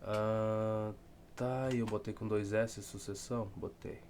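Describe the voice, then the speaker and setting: Here the southern-Brazilian-accented math tutor takes it slowly, his lowish, darkish voice staying steady as he solves textbook problems aloud. The lesson is casual and rambling, with dry, self-deprecating humour and slight hiss or hum.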